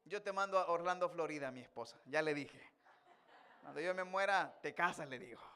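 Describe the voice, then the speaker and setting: A male pastor giving a sermon in a church, moving from chatty asides to loud, impassioned preaching. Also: on the high side, fairly quick, smooth.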